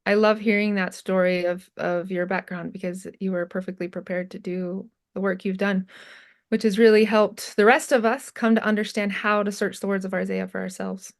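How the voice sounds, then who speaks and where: A woman's voice: medium pitch, steady tone, normal speed. A woman hosting an interview, friendly and upbeat as she announces a conference and asks questions. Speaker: interviewer, event organizer.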